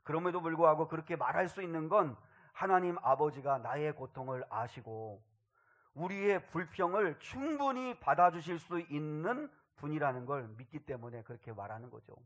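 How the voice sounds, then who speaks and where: Male pastor, slightly high voice, sermon storyteller, swells into loud, impassioned bursts. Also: lively intonation, normal speed. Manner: storytelling, rising to loud emotional outbursts.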